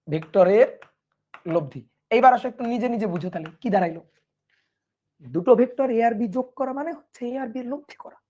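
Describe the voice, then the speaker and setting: A woman's voice: on the high side, mellow, highs cut off. A woman physics teacher, giving an online class lecture, repeating key phrases and checking understanding with questions.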